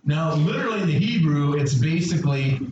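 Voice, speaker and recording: A male pastor preaches in a church sanctuary, captured from far back in a very echoey hall on a dull, muffled recording with background noise. His voice is a little high, expressive and fairly quick, and he engages the congregation by throwing questions at them and calling for responses.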